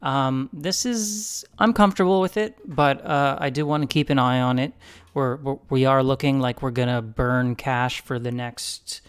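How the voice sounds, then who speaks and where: Clear-voiced man giving casual financial commentary. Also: mid-range voice, steady tone, normal speed. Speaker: investing video host.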